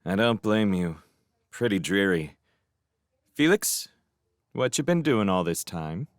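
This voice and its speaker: A man's voice: very animated, slow, dry recording, studio quality. A man voicing a female soldier who giggles and chats, then cries out in terror as the ground shakes. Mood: chatty. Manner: giggly, then shrill panicked screaming. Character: female soldier Showen (Canada), chatty then terrified.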